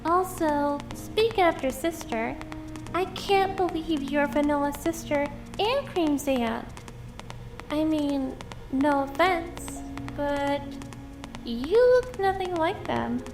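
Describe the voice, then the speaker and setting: Very high, unhurried young cartoon hedgehog girl voiced by a woman. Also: over music. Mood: playful, curious. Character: young female cartoon hedgehog, sparring, kindly and encouraging. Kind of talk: audio drama acting.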